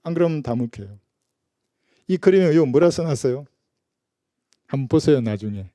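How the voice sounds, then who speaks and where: A male pastor with a Gyeongsang Korean accent preaches a sermon in church, his fairly high voice very mellow and warm. Chatty, conversational, and animated at a moderate pace, he keeps posing rhetorical questions, with dry, close sound and no echo.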